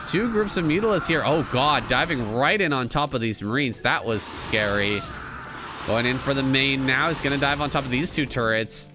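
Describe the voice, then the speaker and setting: A man giving solo play-by-play commentary on a strategy video game, excited and rambling, while losing his voice. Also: medium pitch, normal speed, background noise. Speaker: game caster.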